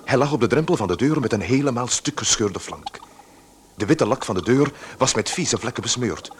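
An actor playing a composed storyteller, giving scripted literary narration in a radio drama. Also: male voice, mid-range voice, expressive, normal speed, natural voice. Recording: clear background noise.

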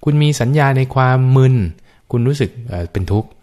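A man who is a Buddhist monk, patiently explaining teachings on a radio Dhamma discussion, with many soft fillers. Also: mid-range voice, expressive, a little fast. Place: radio studio.

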